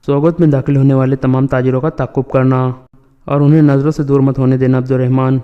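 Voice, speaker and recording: A man reading the lines of a stern, commanding male tribal chief in a flat, even voice. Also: medium pitch, smooth, muffled recording, faint music behind, close to an everyday voice.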